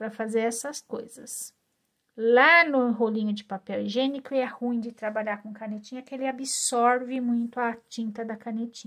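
At a moderate pace, a woman speaks with a fairly high pitch. Her intonation stays fairly even, and the background is quiet. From Brazil. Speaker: primary school art teacher. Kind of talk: craft tutorial for young children. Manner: warm, instructive, addressing children. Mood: gentle, encouraging. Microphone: phone near.

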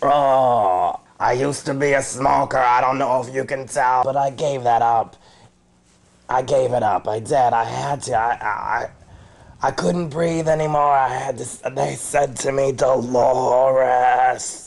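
It is a put-on character voice. The pace is fairly slow. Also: man, medium pitch for a man. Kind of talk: comedy skit, mock interview. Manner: brash, crude, rambling.

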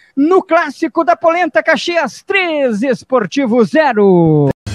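Heard up close and dry, a man speaks without any echo. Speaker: sports commentator. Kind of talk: live football commentary, co-commentator recapping the goals. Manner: calmer, explanatory, measured.

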